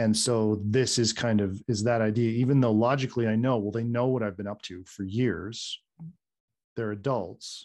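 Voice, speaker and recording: Over a quiet background, a man talks at a moderate pace with fairly even intonation in a normal speaking voice. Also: medium pitch for a man. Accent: Canadian. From western Canada. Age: 40s. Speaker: psychedelic integration coach. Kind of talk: personal testimony in interview.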